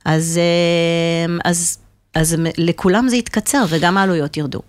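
A woman's voice: on the low side, fairly even intonation, no echo. A woman speaking Hebrew with a slight French-sounding lilt, giving emphatic, businesslike answers as an interview guest. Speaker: marketing executive, interview guest.

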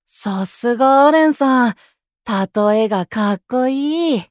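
An actor playing a gentle, eager, boyish young male idol in a Japanese voice drama, friendly and earnest. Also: very high-pitched, lively intonation, slow pace, no echo, studio quality, full character voice. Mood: cheerful, earnest.

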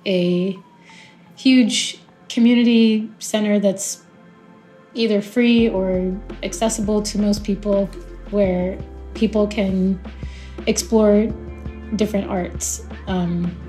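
A woman from Israel whose first language is Hebrew, speaking in an earnest, reflective way with pauses as an artist and community organizer. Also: medium pitch, fairly even intonation, mellow, soft background music. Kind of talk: interview soundbite.

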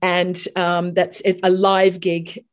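A woman from Australia, a professional singer, telling stories in a casual interview with animated, chatty delivery. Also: on the low side, slow. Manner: chatty, animated storytelling with frequent restarts.

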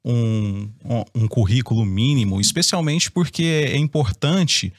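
A man's voice: mid-range voice, unhurried, dry recording. Brazilian man explaining his take on schooling, opinionated, dry close sound. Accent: Brazilian Portuguese. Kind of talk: casual discussion.

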